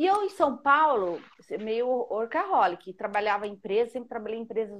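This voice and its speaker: Her pitch is fairly high for a woman. She keeps a moderate pace and lively intonation. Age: 50s. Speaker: art teacher and artist. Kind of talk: live radio interview. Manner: animated.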